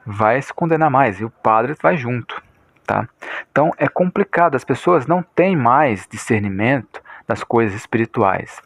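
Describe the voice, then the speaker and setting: A man's voice: medium pitch, animated, normal speed, gravelly, no room sound. A Brazilian man giving informal religious commentary in a didactic, repetitive way, often checking that listeners follow.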